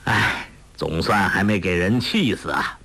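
A man voicing a proud, aloof older martial master in a storybook reading, speaking gruffly and curtly in a lowered voice. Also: expressive, unhurried, sharp tone, full character voice. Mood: stern. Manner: gruff, curt, low and cold.

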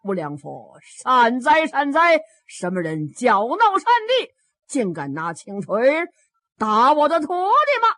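A woman's voice: a little high, wildly swooping pitch, slow pace, pushed and bright, no room sound, full character voice. A woman voicing a burly middle-aged male Taoist priest, stern and commanding, in a told story. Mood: solemn.

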